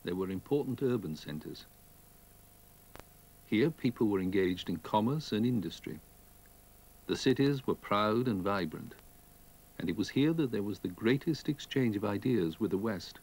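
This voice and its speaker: A man giving a measured, formal scripted narration for a documentary. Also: fairly low pitch, expressive, darkish tone, slightly rough, poor audio.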